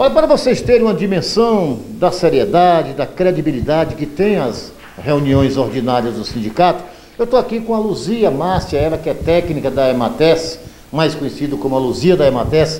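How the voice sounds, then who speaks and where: A man with a fairly high pitch makes very wide pitch swings, with audible room echo and light background noise. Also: moderate pace. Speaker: local web TV reporter. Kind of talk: on-location interview. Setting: union headquarters, on location. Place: hall. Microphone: handheld.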